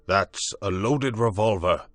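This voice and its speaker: A commanding older scientist speaks in a steady, measured tone, as a male narrator plays him. His voice sits deep and slow, recorded dry and close. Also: no echo. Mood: calm. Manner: calm, measured, authoritative.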